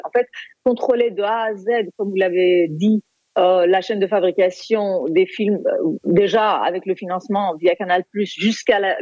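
A woman's voice: mid-range voice, darkish tone, no room sound. A woman from Iran, a film director, answers radio interview questions hesitantly, with many fillers and restarts. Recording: dull lo-fi line.

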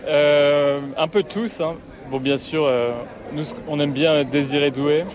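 A football fan answering a reporter's questions outdoors on a city street, in short relaxed replies. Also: male voice, on the high side, takes it slowly. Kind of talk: street interview. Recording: busy street with crowd. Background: crowd of fans.

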